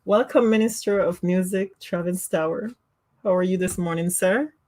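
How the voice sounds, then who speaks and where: A woman's voice: fairly low pitch, moderate pace, warm tone. A woman with a Jamaican accent hosting a casual livestream, chatting with viewers and laughing often at herself. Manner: giggly, laughs often, self-teasing. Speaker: livestream host. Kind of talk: casual livestream chat reading comments.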